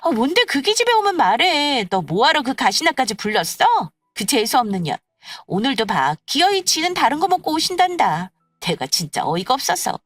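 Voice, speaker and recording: A woman voicing excitable, gossipy young female friends in an audio story, exclaiming in a blunt, nosy way. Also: sits high, moderate pace, dry recording, faint music behind, voice pushed up. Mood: catty, impatient. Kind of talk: acted dialogue in an audio story.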